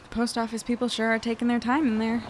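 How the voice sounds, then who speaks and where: A woman's voice: on the high side, monotone, fast talker, slight background noise, lightly acted. An actress playing a caring, curious young woman chatting with friends in an audio drama, casual and a little hesitant. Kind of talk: acted dialogue in an audio drama podcast.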